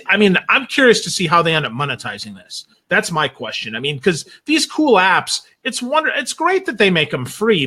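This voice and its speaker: A man chatting casually as a talk show guest, with blunt, emphatic, animated opinions. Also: sits high.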